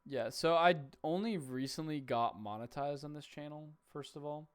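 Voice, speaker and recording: A man's voice: on the high side, moderate pace, clear, resonant tone. Laid-back young man giving frank advice. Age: 20s. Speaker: host. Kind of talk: casual advice call.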